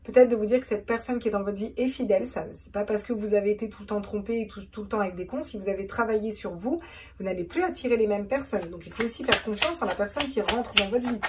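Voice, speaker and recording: A woman's voice: mid-range voice, quick pace, distant mic, noisy background. Chatty woman reading tarot. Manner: chatty, repeats words, laughs at herself. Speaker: tarot reader. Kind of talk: casual tarot reading to camera.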